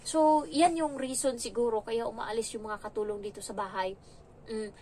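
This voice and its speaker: A woman's voice: on the high side, normal speed, slight background noise. A young adult woman from the Philippines who works as a domestic helper, telling a frank, chatty story in a casual vlog. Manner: chatty, frank, animated when retelling.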